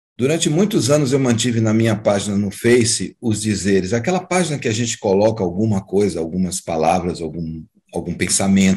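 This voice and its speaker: Against a quiet background, a man talks at a moderate pace with lively intonation. His voice is fairly low in pitch, with a dark, mellow tone. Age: 60s. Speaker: homeopathic doctor. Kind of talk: interview.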